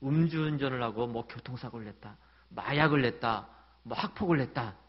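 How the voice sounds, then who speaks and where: A male pastor preaches a Sunday sermon in a chatty, storytelling way with touches of humor. His voice sits at a medium pitch. The church recording sounds somewhat dull and muffled. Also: brisk, husky. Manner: conversational storytelling with light humor. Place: church sanctuary.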